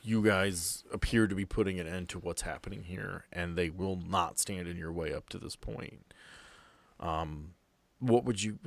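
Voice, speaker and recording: A man running a tabletop game as game master, describing scenes in a relaxed way with dry humor. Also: sits low, unhurried, vocal fry, no echo.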